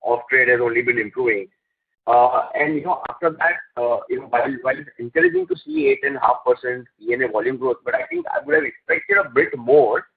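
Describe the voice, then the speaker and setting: Indian analyst guy asking stuff on a call, raspy, animated pitch, hesitant, phone sound. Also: a little fast. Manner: hesitant, repeats words while framing questions. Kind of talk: earnings call questioning. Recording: narrow tinny phone line.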